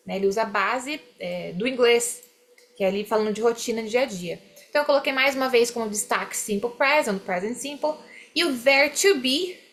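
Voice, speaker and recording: A young woman leads an online English class with a fairly high voice. She explains things in Portuguese and slows down to model each English word. She keeps checking in with her students. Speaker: English teacher.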